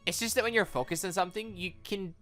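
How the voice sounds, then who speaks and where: A mild young woman student from a visual novel, read out by a gamer. She speaks with dry, hesitant reproach in a bright voice, over faint music. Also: medium pitch, fast talker, lightly acted. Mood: gently chiding. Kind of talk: reading visual novel dialogue aloud.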